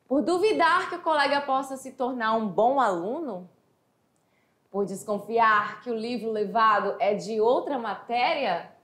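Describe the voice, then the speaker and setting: A Brazilian woman teacher giving a lively exam review lesson, chatty, slowing down to read English phrases aloud. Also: fairly high pitch, roomy sound. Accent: Brazilian Portuguese. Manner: animated, chatty, reads English quotes slowly.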